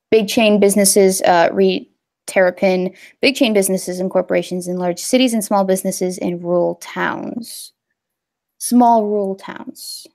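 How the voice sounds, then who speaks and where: A woman's voice: mid-range voice, a little mellow. A young woman hosting a casual livestream, talking in a rambling, hesitant way with many fillers. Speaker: livestream host.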